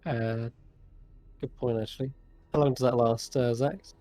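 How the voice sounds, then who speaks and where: A man's voice: mid-range voice, fairly even intonation, a little slow, warm tone, no room sound, soft background music. A man narrating a tabletop role-playing game as game master, describing scenes and asking players what they do.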